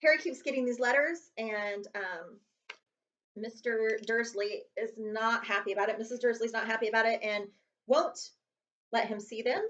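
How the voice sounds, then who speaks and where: A woman's voice: fairly high pitch, moderate pace, fairly bright tone, highs cut off. A woman reading a children's chapter book aloud as a librarian would to students, expressively and with dramatic emphasis.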